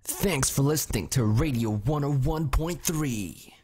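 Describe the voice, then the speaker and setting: A man acts out an epic male radio announcer for a station sweeper. The voice is husky and bold, with polished radio processing and a touch of reverb. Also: medium pitch, unhurried, dark tone, pitched above the performer's own voice. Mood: bold announcing. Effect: radio imaging processing with studio reverb.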